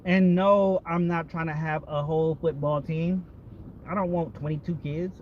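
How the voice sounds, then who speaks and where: A man's voice: on the high side, fairly even intonation, moderate pace. American guy just rambling, cusses a lot, repeats himself, muffled lo-fi sound w some noise behind. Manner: candid, profane, repeats himself. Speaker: vlogger. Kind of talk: casual rambling chat. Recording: dull lo-fi audio with background vehicle noise.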